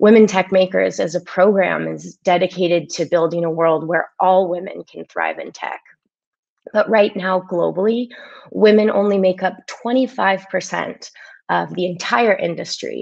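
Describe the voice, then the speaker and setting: Here a woman with an American accent talks at a moderate pace. Her loudness swings widely. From California. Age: 30s. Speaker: tech program manager. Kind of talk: conference talk. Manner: frequent filler words.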